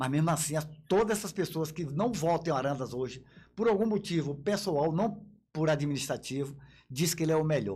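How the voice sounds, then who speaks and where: Here is a man with an unremarkable speaking voice, fairly high in pitch. He talks at a moderate pace with ordinary pitch variation. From Bahia, Brazil. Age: 60s. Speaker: politician, vice-mayoral candidate. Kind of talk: podcast interview.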